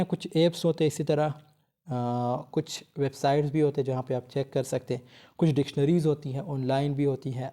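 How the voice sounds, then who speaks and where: A man teaching English spelling as a grammar teacher, reading English points slowly and explaining them quickly in Hindi. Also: fairly high pitch, warm tone. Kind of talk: explaining a lesson, switching between Hindi and English.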